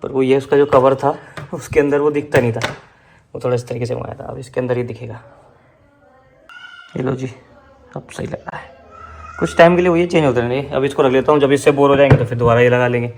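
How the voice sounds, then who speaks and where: A man's voice: mid-range voice, fairly even intonation, fast, gravelly, long pauses, background noise. A man vlogging at home, chatting casually to viewers and giving advice. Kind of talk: casual family vlog chat. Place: at home indoors.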